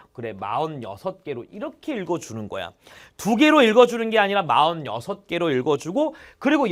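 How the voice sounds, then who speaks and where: Young male tutor, high and lively delivery, exclaims mid-explanation, constant "got it?" check-ins. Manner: chatty, checks in with students constantly. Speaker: biology tutor. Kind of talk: online exam-prep lecture.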